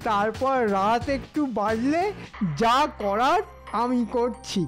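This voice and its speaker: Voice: mid-range voice, slow, faint music behind, close to an everyday voice. An actor voicing a scheming, greedy minister villain in a cartoon, sneering and bossy. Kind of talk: cartoon voice acting.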